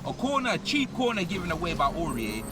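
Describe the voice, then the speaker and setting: A young man, giving a comedic, slang-heavy rant as a football fan in an animated, exasperated manner. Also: on the high side, fast talker, recorded from a distance, over loud music.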